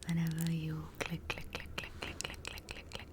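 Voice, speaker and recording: A woman whispers in a gentle tone at a moderate pace over noticeable background noise. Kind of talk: ASMR tea collection showcase, soft whispers. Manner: soft-spoken, whispered, gentle.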